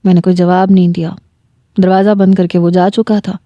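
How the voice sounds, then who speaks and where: A woman storyteller reading a first-person romance story in a measured, unhurried, intimate way. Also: lowish voice, flat delivery, warm tone, dry recording.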